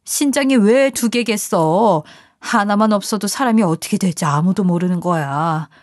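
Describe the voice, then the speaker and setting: A woman's voice: medium pitch, moderate pace, a little mellow, no room sound, natural voice. A woman voicing a blunt, protective older friend in an audio story, scolding emphatically, recorded dry and close.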